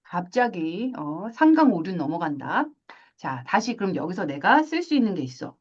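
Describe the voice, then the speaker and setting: A woman teaching a math class, lively, asking questions and acting out little scenes. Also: on the low side, normal speed, husky, muffled recording. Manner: animated, asks questions and acts out little scenes. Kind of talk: classroom lecture.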